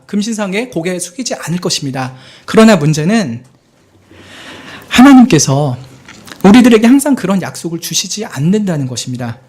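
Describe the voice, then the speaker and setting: A man's voice: high-pitched, breathy edge. A man serving as assistant pastor, preaching a Sunday sermon and acting out prayers and conversations as he goes. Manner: animated, acts out quoted prayers and dialogue.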